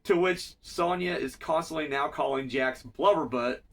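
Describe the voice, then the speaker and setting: A man's voice: fairly high pitch, moderate pace, a bit bright, distant mic. A man with a cold recapping a cartoon episode in a rambling, profane, casual way. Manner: rambling, profane, filler-heavy. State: has a cold.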